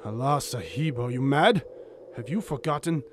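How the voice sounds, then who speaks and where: An actor playing a devout, superstitious and loyal Muslim desert companion in a radio drama, with archaic, emphatic speech. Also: male voice, mid-range voice, lively intonation, moderate pace, a little hiss or hum, natural voice. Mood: urgent.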